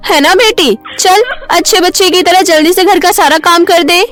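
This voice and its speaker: A woman's voice: extremely high pitch, moderate pace, fairly bright tone, soft background music, voice pushed up. A woman voicing a scheming, bossy aunt in a storybook tale, with a sly, wheedling and domineering manner.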